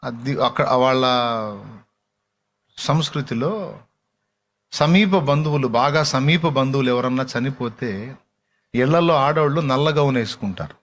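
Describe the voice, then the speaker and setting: Expressive male preacher. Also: mid-range voice, a little slow, long pauses. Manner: expressive, voices dramatic quotes, affirms reader with short "aa". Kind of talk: sermon with Bible reading.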